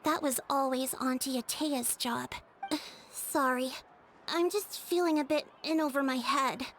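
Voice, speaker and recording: A woman's voice: high voice, unhurried, fairly bright tone, a little hiss or hum. An actress voicing an earnest, easily flustered young female tribal chief in an anime game. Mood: overwhelmed. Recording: music playing behind the voice.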